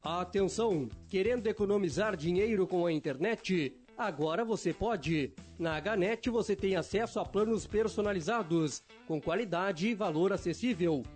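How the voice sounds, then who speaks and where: A man's voice: high voice, normal speed, hardly any pauses, a little mellow, faint music behind. A man reading a radio commercial in a punchy, salesy way. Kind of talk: energetic commercial read.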